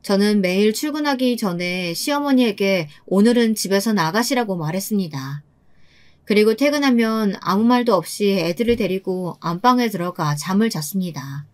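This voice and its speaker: A woman's voice: mid-range voice, lively intonation, normal speed. Woman narrating a first-person story.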